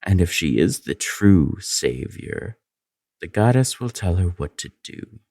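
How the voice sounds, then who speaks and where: A man playing a scheming, manipulative royal advisor in a fantasy audio drama, with a sly, flattering, insinuating drawn-out delivery. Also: low-pitched, no echo, studio quality, exaggerated voice. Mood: mocking, smug.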